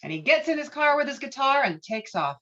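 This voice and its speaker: Bright, lively woman reading stage directions. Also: sits high, fairly quick. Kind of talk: scripted narration. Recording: dull lo-fi call audio.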